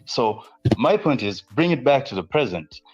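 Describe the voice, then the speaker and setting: Calm guy from tanzania reasoning it out on a stream call, muffled lo-fi sound. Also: medium pitch, slightly rough. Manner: measured, reasoning step by step. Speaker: debate guest. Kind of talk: live-stream debate.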